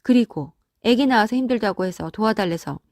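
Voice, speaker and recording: A woman's voice: mid-range voice, lively intonation, a little fast, darkish tone, no room sound, studio quality, natural voice. A woman voicing a hurt but firm older mother in a story, speaking with reproach and resolve. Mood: reproachful.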